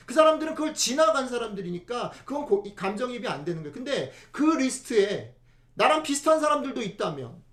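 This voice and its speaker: A man preaching a casual, conversational sermon in a high, animated voice that swings widely in pitch. He keeps turning to the congregation with rhetorical questions. The sound carries a roomy echo from the church. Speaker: pastor.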